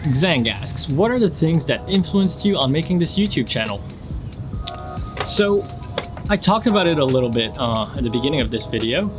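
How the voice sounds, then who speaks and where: A young man from France answering viewer questions in a relaxed, casual vlog, reading each question aloud before answering at length. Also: fairly high pitch, moderate pace. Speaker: fashion YouTuber. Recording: music playing underneath.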